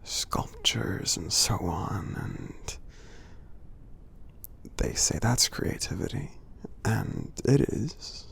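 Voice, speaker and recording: Guy doing a friendly giant for asmr, super gravelly and deep, gentle and supportive, soft whispery. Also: lively intonation, exaggerated voice. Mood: soothing, supportive. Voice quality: husky, breathy, gravelly low voice. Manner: slow, gentle, reassuring, pausing often. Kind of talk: ASMR roleplay, soft half-whispered affirmations.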